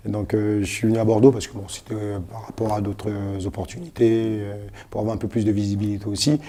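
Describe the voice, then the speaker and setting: A man talks fast in a low, warm, dark voice, full of fillers and self-corrections. He is a guest artist on a small web TV studio set, speaking casually in an interview. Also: little pitch movement. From Cameroon. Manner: hesitant, many fillers and restarts.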